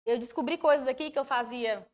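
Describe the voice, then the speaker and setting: Fairly quick and high in voice, she is a study mentor giving an online lecture in a Brazilian Portuguese accent. Animated explanations mix with questions directed at her audience.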